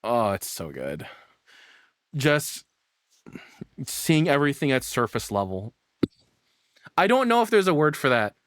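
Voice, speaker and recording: A man's voice: mid-range voice, big pitch swings, measured pace, long pauses, a bit bright, no echo, studio quality. A man in his thirties giving a casual, rambling, off-the-cuff reaction with some swearing. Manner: rambling, profane. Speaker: reaction streamer.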